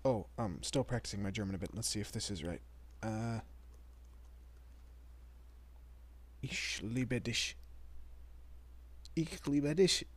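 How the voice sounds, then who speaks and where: A man playing a protective, easily bewildered young husband and father in an audio roleplay, with a husky, breathy, often whispering voice and halting, muttering delivery. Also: fairly low pitch. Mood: tender, sleepy. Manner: halting, muttering, mild swearing.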